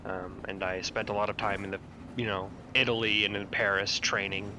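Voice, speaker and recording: A man playing in a tabletop game, telling his character's backstory haltingly with many fillers. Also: on the low side, little pitch movement, background noise. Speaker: player.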